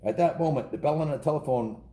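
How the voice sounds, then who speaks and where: With a fairly high pitch, a quick pace and a warm tone, a fifty-something American man tells a story from a children's book to kids. He's casual and homespun, often repeating himself, fixing small slips and adding asides. Faint background noise and a roomy echo fill the recording.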